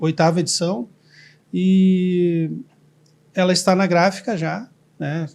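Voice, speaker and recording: A man with a high pitch talks with ordinary pitch variation. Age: 50s. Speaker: teacher. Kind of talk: podcast interview. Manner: halting.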